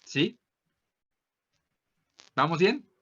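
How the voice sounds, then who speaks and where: A man with a Mexican accent teaching an online language class, explaining things with frequent tag questions and slowly repeating words to model their pronunciation. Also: fairly high pitch, sing-song, a bit bright, slightly rough, lo-fi sound. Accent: Mexican Spanish.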